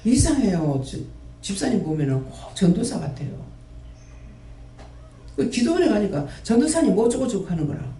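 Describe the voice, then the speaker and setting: Scolding preacher in an echoey hall. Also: male voice, sits high, very animated, moderate pace, pauses often, warm tone. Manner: scolding, with many rhetorical questions. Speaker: prayer house director and preacher. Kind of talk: sermon. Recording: roomy echo, mic at a distance.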